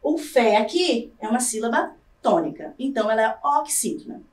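A Brazilian woman teacher gives a scripted televised lesson, dragging out example words to stress their syllables. Her voice sits high and swoops widely. She sounds a bit off-mic in an echoey room. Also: very animated, moderate pace, recorded from a distance. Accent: Brazilian Portuguese. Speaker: Portuguese language teacher.

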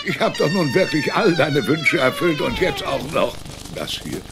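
An actor playing a long-suffering, plaintive, grumbling cartoon animal crew mate. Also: male voice, on the high side, huge pitch swings, normal speed, vocal fry, exaggerated voice. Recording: loud music underneath.

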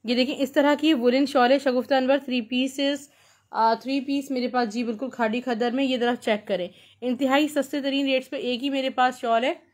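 A woman with a Pakistani accent hosting an informal live shopping sale, pitching repetitively and mixing in English words. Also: steady tone, normal speed. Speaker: live-sale host selling clothes.

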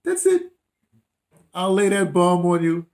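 Very animated yet slow, his voice sits high and a little mellow. He is an American man aged sixty or more, an audio dramatist being interviewed indoors in a small home room, rambling through reflective stories with emphasis, false starts and repeated phrases.

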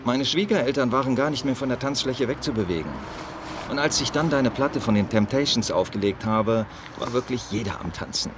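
A man's voice: medium pitch, fairly quick, close to an everyday voice. An actor playing a chatty, sociable family man in an audio drama. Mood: cheerful, friendly. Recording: clear street ambience noise.

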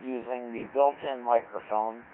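A man slowly reading out a microphone test, his voice compressed through a filtered radio codec. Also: mid-range voice, steady tone, slight background noise. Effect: compressed radio codec with band filters. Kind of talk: slow microphone test readout. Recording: muffled, phone-like, band-filtered codec audio.

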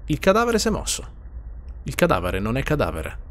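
A man's voice: medium pitch, huge pitch swings, brisk. A man streaming a horror game, nervously muttering, repeating himself and swearing as he plays. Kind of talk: live gameplay commentary.

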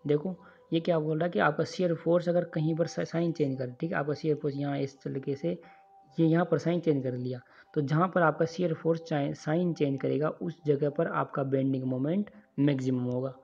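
Gravelly, mellow-voiced man lecturing. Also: a little high, fairly even intonation, fairly quick, lo-fi sound, faint music behind. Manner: drills formulas, constantly checks in with "ठीक है?". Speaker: engineering lecturer. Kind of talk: recorded online lecture over handwritten notes. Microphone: voice-over on screen recording.

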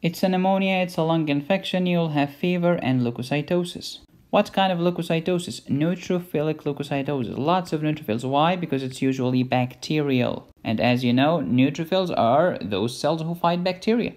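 A man's voice: fairly high pitch, normal speed, darkish tone. A man giving an informal medical lecture in a playful, blunt and emphatic way. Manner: playful, blunt, emphatic teaching with mild cursing.

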